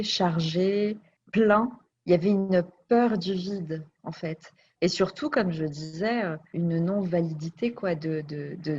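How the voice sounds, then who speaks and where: A woman with a fairly low voice looks back on her life in an interview, thoughtful and searching for the right words as she goes. The sound is dull and a little lo-fi. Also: darkish tone, slight background noise. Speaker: interview guest. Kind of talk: personal storytelling interview. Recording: dull lo-fi recording.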